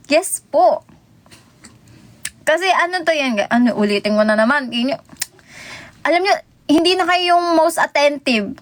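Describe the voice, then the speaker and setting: A woman's voice: sits high, a bit bright, no echo. Giggly young Filipino woman on a live stream. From Philippines. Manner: chatty, giggly, reads out viewer names. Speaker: idol livestreamer. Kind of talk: casual livestream chat. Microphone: phone.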